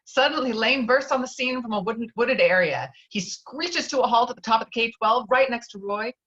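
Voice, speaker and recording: A woman's voice: fairly high pitch, a little fast, a bit bright. A woman reading screenplay stage directions as scripted narration, heard through slightly dull online audio.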